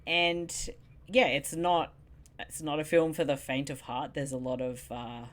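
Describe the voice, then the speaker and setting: A woman's voice: deep voice, level tone, unhurried. A woman reviewing a film in casual conversation, thoughtful and a little hesitant.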